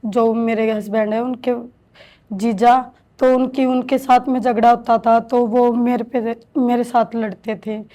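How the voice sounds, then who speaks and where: A woman in her thirties slowly recounting her own story with halting restarts, as an interviewee in a shelter home. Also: fairly high pitch, little pitch movement, mellow. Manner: halting, slow, hesitant with restarts. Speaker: interviewee, domestic violence survivor. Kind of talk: emotional personal testimony.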